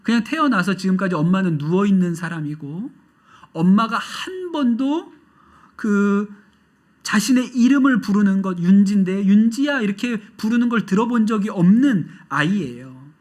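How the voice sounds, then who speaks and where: A man preaching a sermon as pastor, telling stories gently and often quoting other people. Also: high voice, lively intonation, moderate pace. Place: church sanctuary.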